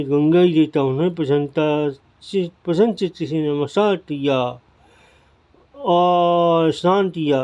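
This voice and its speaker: A man's voice: a little high, mellow, highs cut off. A man reading a devotional scripture aloud as a narrator, with frequent restarts and repeated words.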